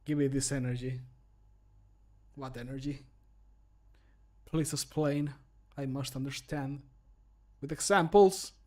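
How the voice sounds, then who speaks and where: A man's voice: mid-range voice, steady tone, slow pace, long pauses, warm tone. A man in his thirties chatting casually as a streamer, thinking aloud in a jokey, self-deprecating way. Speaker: streamer, game modder recording voice lines. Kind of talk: casual livestream chat. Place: small home room, indoors.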